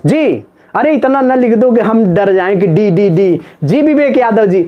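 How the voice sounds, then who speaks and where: High-voiced man chanting Sanskrit lessons. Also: expressive, a little slow, dull audio. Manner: chants word forms in a sing-song rhythm; playful, banters with viewers in chat. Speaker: Sanskrit teacher. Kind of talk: live online exam-prep class.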